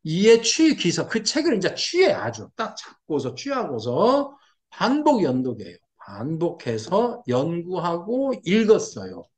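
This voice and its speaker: A middle-aged man lectures on classical texts in a high, lively voice that swings widely in pitch. He repeats each term patiently and slips into animated acted-out asides to make his point. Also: a little slow. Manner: explains terms repeatedly, acts out reactions with animated asides. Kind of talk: explanatory lecture. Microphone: seen on camera.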